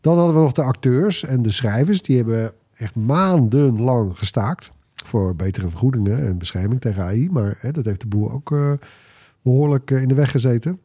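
Mellow man, halting podcast chat. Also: medium pitch, breathy edge. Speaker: podcast panelist. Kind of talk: casual opinionated chat.

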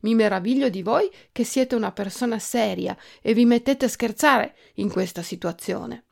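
A woman's voice: a little high, normal speed, creaky, a little mellow, voice pushed up. A woman voicing a whiny, sighing older male squash character in a storybook. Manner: whining, complaining.

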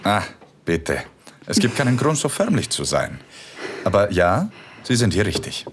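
A man playing a relaxed, self-mocking, middle-aged philosophy professor who tutors in an erotic audio drama, speaking in an easygoing, wry, unhurried way. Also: on the low side, slight background noise.

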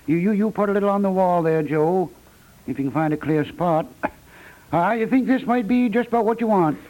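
A man plays a folksy, placating painting contractor in an old radio comedy. His voice is high and mellow, and he stammers and doubles his words in homespun, ungrammatical speech. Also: a little fast, close to an everyday voice, low-quality recording. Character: fussy, folksy middle-aged male painting contractor, placating and sly. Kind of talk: 1950s radio comedy acting. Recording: vintage 1950s radio recording.

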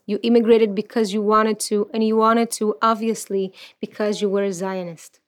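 A woman in her thirties from Ukraine who grew up speaking Russian, sitting as an interview guest. She speaks in a middle-pitched voice, earnest and reflective, often restarting her sentences as she searches for words. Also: flat delivery, moderate pace. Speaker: guest, activist and poet. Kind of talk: personal interview talk and poetry recital.

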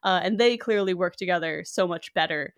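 A woman's voice: lowish voice, a little fast, no room sound. Woman podcast host, chatty plot recaps with fillers, dry close sound. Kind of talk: casual movie recap chat.

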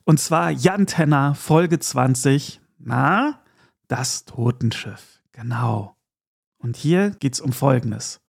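Gravelly German man hosting a podcast. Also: medium pitch, expressive, slow pace. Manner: chatty and enthusiastic, with asides and small laughs. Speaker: podcast host. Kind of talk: casual podcast talk.

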